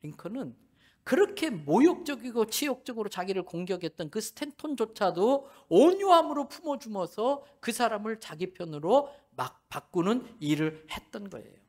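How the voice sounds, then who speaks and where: A man's voice: sits high, moderate pace. A middle-aged man, a pastor, preaching a Sunday sermon in a church and telling stories with humor. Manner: animated storytelling, acting out dialogue with humor. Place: church sanctuary.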